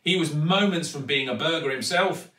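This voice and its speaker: British guy reading a kids book, lively and dramatic, bright voice, mic a bit far off. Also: fairly high pitch, moderate pace. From United Kingdom. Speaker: actor reading a children's book. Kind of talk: expressive storybook narration. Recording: echoey room, distant mic.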